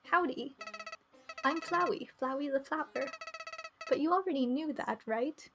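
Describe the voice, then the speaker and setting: A little talking flower from a visual novel, played by a woman, high-pitched and sickly sweet. It is a villain that needles and taunts behind a mock-friendly front. Music plays underneath. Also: animated, a little slow. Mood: falsely cheerful. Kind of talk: visual novel character read aloud.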